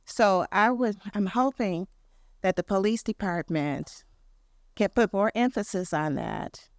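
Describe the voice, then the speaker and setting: A woman, a community member, giving earnest and halting public comment, listing requests one after another. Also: mid-range voice, lively intonation, no echo, clean studio sound. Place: city press briefing room.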